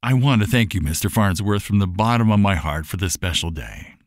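A man's voice: fairly low pitch, expressive, a little fast, no echo, studio quality, close to an everyday voice. A man voicing a humble, grateful family father in a storybook, earnest and polite.

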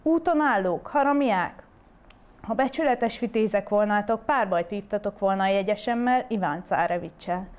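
A woman's voice: medium pitch, hardly any pauses, darkish tone, lightly acted. A woman reading aloud, voicing an indignant young fairy-tale princess who accuses her attackers. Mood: outraged. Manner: accusing, outraged.

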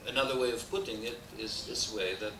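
A man's voice: medium pitch, fairly even intonation, fairly quick. An older man from Austria with an Austrian German accent, giving an academic lecture at a desk microphone, hesitating often and adding dry asides. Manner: discursive, frequent hesitations, dry humor. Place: wood-paneled lecture hall. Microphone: desk mic on stand. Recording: roomy, distant, noisy VHS transfer.

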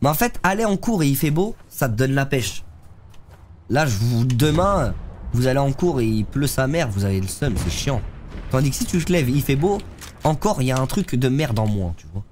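A young man talks over his gameplay live, slangy and loose, his nose stuffy from a cold. His voice sits at an ordinary middle pitch for a man. A faint hum of room ambience hangs underneath. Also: big pitch swings, moderate pace, a little mellow. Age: young adult. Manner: slangy, loose, talks to chat while playing. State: congested with a head cold. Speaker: streamer. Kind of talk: live gameplay streaming, chatting with viewers. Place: streaming room, seated in a gaming chair.

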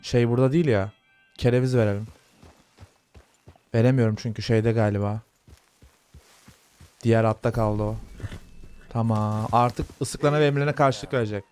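A man's voice: medium pitch, steady tone, normal speed, pauses often, darkish tone, clean tone, faint music behind. Chatty young man playing a game. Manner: chatty, talks to viewers and soothes the horse. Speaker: gaming YouTuber. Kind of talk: casual let's-play commentary.

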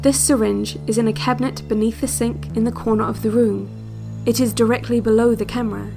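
Audio drama, secretive cassette guide to a captive: high voice, deliberate instructions over prominent music. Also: female voice, fairly even intonation, vocal fry. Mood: calm, instructive. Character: secretive woman narrating relaxation cassette, guiding a captive's escape.

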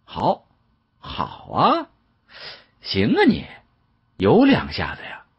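Man voicing a cocky young man, husky and sneering. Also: mid-range voice, huge pitch swings, slow, voice pushed up, exaggerated voice. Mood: brash. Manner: taunting, flippant, slangy. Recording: dull, muffled audio.

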